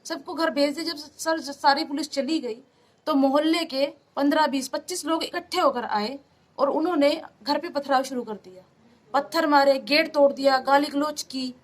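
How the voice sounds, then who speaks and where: High-voiced woman giving urgent testimony. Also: normal speed. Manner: urgent, pleading, keeps saying "sir". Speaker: interviewee recounting an assault. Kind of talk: emotional testimony to a reporter.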